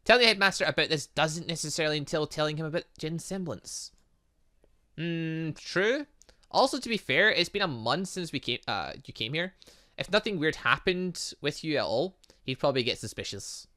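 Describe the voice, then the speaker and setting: Animated, bright-voiced man reading game dialogue. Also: fairly high pitch, normal speed. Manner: stumbles over words when reading, self-correcting. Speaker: gaming video host. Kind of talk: casual let's-play, reading game dialogue aloud with asides.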